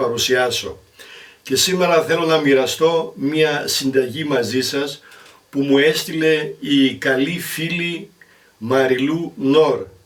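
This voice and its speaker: Speaking at a very slow pace, a man with a fairly high pitch keeps fairly even intonation over noticeable background noise. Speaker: cooking channel host. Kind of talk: cooking tutorial.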